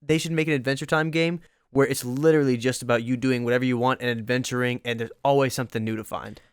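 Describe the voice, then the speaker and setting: Young guy gushing about a cartoon, keeps restarting, smooth clear voice, dead dry sound. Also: fast, no room sound. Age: young adult. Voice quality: higher voice. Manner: excitable, rambling with many restarts. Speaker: podcast co-host. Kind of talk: casual chat.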